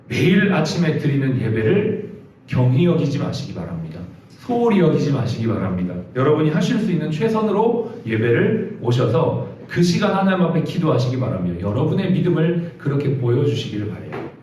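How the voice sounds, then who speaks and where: A man's voice: on the high side, sing-song, normal speed, a little mellow. Male chaplain preaching, earnest testimony style; distant mic, dull, very reverberant chapel sound. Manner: earnest, storytelling, acts out quoted voices. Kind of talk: sermon with personal testimony. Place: hospital chapel. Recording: very echoey, distant, dull, faint noise.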